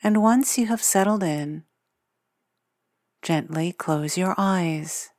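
Very slow, low-voiced woman guiding meditation. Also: a little mellow, no room sound, studio quality. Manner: slow, soothing, measured delivery with long pauses. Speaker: meditation guide. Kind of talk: guided meditation. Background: meditation music with singing bowls.

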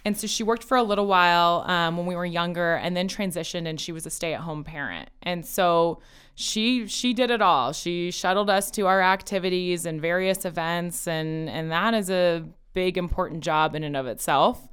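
A woman's voice: fairly low pitch, normal speed, a bit bright, smooth. A woman whose first language is Farsi, a family lawyer talking casually as an interview guest, laughing easily and quoting her parents. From Colorado, USA.

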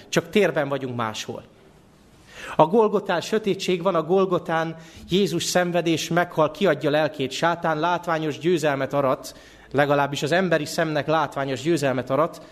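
A male preacher delivers a sermon in a church. He is animated and asks his listeners questions. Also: fairly high pitch.

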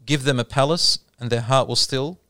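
A man's voice: medium pitch, moderate pace, bright, forceful tone, clean tone, no room sound. A man from Australia explaining a religious idea in casual conversation, patiently telling anecdotes and mixing in Arabic terms. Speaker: Islamic speaker.

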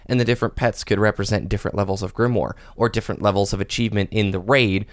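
A man's voice: on the low side, steady tone, fast, no room sound, studio quality. A man hosting a casual gaming podcast, chatting with his co-host and reading listener posts aloud.

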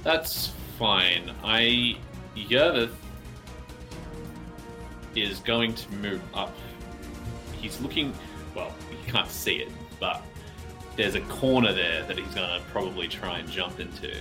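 A man's voice: fairly low pitch, takes it slowly, long pauses. A man chatting casually as a tabletop game player, thinking aloud in a tentative way. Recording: music underneath.

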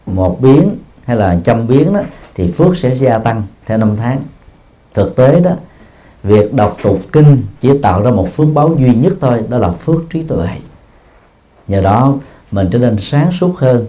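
Mellow-voiced monk giving a dharma talk. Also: male voice, mid-range voice. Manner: explanatory, peppers phrases with a drawn-out filler, chuckles at himself. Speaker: Buddhist monk teacher. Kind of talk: dharma talk answering questions. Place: Buddhist practice hall in Japan.

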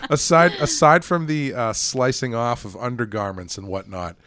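A man's voice: medium pitch, lively intonation, normal speed, bright, forceful tone, no room sound. A man co-hosting a casual film podcast, rambling with restarts and chuckles. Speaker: podcast co-host.

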